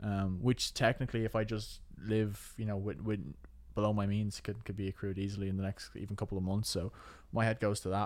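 A man's fairly low voice with fairly even intonation at a fairly quick pace, in a very clean recording over a silent background. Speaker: personal trainer and entrepreneur. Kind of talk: casual chat. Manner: soft-spoken, speaks fiercely not loudly.

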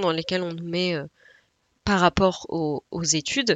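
A woman is speaking. Her pace is very slow. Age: 20s. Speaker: podcast host. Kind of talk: solo monologue.

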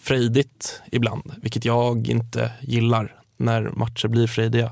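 A man speaks at a medium pitch. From Stockholm, Bromma. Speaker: football supporter. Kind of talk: casual chat. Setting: studio.

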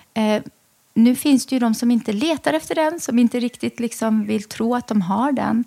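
A woman's dark, mellow tone at a moderate pace, with ordinary pitch variation and a dry, close sound with no echo. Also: fairly high pitch for a woman. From Sweden. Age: 40s. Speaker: tech executive and cancer patient. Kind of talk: interview.

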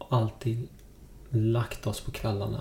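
Noticeable background noise surrounds this recording. A man speaks at a fairly slow pace. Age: 40s. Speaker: youth worker. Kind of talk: casual interview chat.

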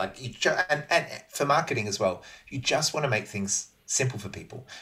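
A man speaks with an Australian accent at a moderate pace. His intonation is lively. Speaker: TV comedy writer. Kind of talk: casual chat. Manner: halting.

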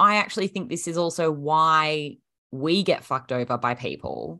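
Against a quiet background, a woman with a bright, sharp tone talks at a moderate pace, her pitch swinging very widely. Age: 30s. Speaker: dating podcast co-host. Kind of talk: casual chat.

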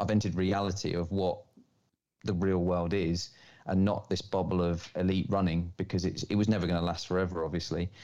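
Against a quiet background, a man speaks at a fairly quick pace. His pitch is very deep and low. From northern England, Cumbria. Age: 40s. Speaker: Olympic distance runner. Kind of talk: casual interview.

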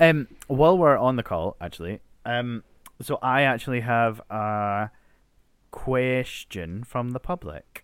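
Speaking with a Scottish accent at medium pitch, a man uses lively intonation and a fairly slow pace with long, frequent pauses, on a very clean recording with a silent background. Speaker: science teacher. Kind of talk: casual chat.

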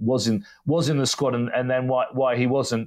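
On a very clean recording with a silent background, a man speaks with a British accent. His pitch is medium, his pace moderate and his intonation fairly even. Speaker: sports writer. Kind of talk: casual chat. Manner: halting, many fillers.

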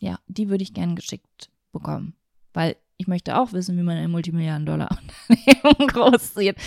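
Dry and close with no echo, a woman's voice moves at a moderate pace, with lively intonation and big swings in loudness. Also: fairly low pitch for a woman. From Germany, East Westphalia (Lübbecke). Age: 30s. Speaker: podcast host. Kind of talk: solo monologue, casual. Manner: animated.

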